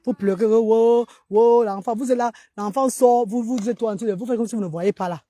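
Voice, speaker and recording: A woman's voice: on the high side, brisk, dark tone, dry recording. A mother of an autistic child filming herself outdoors in a park, speaking earnestly and urging other mothers on a casual livestream.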